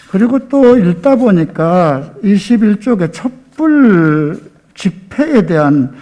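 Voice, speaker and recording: A man's voice: high voice, warm tone. Emphatic older man in his seventies. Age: 70s. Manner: earnest, emphatic, with frequent pauses and fillers. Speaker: pastor and debate panelist. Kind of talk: formal debate statement. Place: debate forum room.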